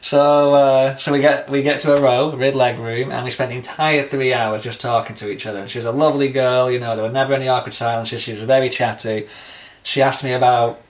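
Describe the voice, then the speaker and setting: A young man tells a long travel anecdote on a casual podcast. His pitch sits in a mid range, and his manner is relaxed and easily amused. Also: a little fast. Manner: chatty storyteller, relaxed and self-amused. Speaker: podcast co-host.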